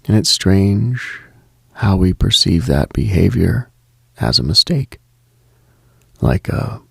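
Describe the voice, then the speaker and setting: Slow, husky low-voiced man. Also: no echo, studio quality. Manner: contemplative, measured, deliberate pauses. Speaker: late-night radio host. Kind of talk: slow reflective late-night monologue, ASMR-like.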